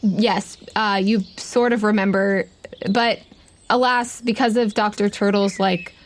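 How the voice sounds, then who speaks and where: A woman's voice: medium pitch, fairly even intonation, unhurried, slight background noise. Casual woman running a tabletop game. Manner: casual, conversational, uses "like" often. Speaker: game master. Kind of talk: narrating a tabletop roleplaying game, improvised.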